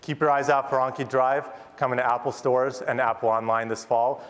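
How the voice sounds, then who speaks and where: A man's voice: medium pitch, fairly even intonation, brisk. Man giving an eager keynote in a hall. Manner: enthusiastic, rehearsed stage delivery. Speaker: company founder presenting a product. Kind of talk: keynote product presentation. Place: large conference stage before an audience. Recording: long hall reverb, audience noise.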